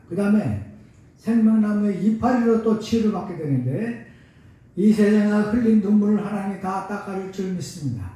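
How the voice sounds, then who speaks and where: Older pastor in an echoey church. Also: male voice, high voice. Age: 70s. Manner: folksy storytelling with sudden loud rises. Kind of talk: sermon. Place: church sanctuary. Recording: echoey church hall, mic far off.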